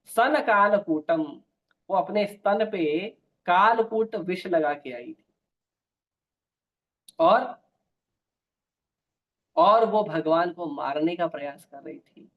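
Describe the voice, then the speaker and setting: A man's voice: high voice, slow, pauses often. A man preaching a devotional sermon with stories, emphatic and repeating key phrases. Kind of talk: Hindi devotional sermon with storytelling. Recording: dull lo-fi recording.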